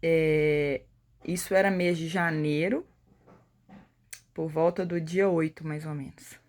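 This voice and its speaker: A woman's voice: sits low, steady tone, takes it slowly, darkish tone. A woman with a Brazilian Portuguese accent giving a personal Christian testimony, telling it with feeling and acting out the dialogue she retells. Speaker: testimony speaker.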